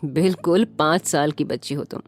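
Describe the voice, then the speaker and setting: Woman voicing a gentle, caring husband. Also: low-pitched, normal speed. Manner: gentle, calm, mildly scolding. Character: caring, steady young husband.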